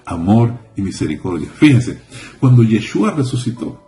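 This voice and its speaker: A man's voice: lowish voice, very animated, normal speed, warm tone, soft background music. A man preaching a sermon as a rabbi, fervent, repeating phrases and calling out hallelujah. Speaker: rabbi teaching a congregation.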